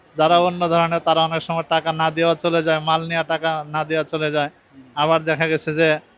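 This man's voice sits fairly high. It stays monotone and flat throughout. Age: 50s. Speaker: blind street shopkeeper. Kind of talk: interview testimony.

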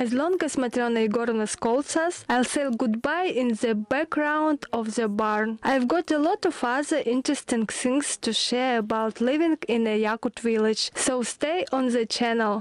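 A woman's high-pitched voice at a moderate pace with ordinary pitch variation, dry with no echo, against a quiet background. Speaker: vlogger filming. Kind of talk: casual vlog chat. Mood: light, joking. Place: garden. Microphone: phone near.

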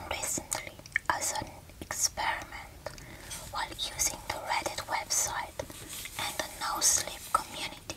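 A woman whispers fairly slowly while noticeable background noise sits behind her. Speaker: independent author. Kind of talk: reading from own book. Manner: whispered.

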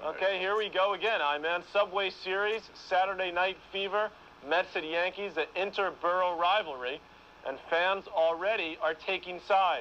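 A man projects a raised voice at a high pitch with a bright, sharp tone, speaking at a moderate pace with fairly even intonation over light background noise. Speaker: sports reporter. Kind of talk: radio sports report with playful banter. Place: studio.

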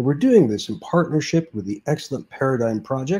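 The man's somewhat breathy voice has a dark, mellow tone and very wide pitch swings. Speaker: forum host. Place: home room. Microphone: webcam.

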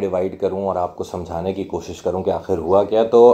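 A man at a moderate pace. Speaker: book reviewer. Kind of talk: book review monologue. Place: home room.

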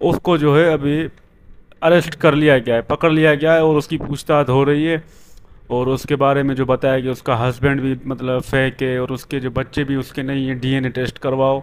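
The man has a fairly high pitch and monotone, flat intonation. He speaks at a moderate pace. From Pakistan. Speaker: reaction video host. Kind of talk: reaction video commentary. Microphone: handheld.

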